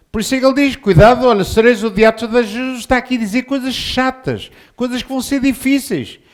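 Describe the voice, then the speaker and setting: Speaking at a fairly quick pace, a man uses an extremely high pitch. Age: 60s. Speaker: pastor. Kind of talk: sermon. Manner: animated.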